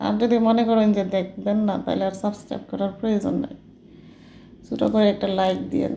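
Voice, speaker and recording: Fairly even intonation in a medium-pitched female voice. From Bangladesh, Sunamganj (Sylhet region). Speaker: vlogger and housewife. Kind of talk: casual vlog talk.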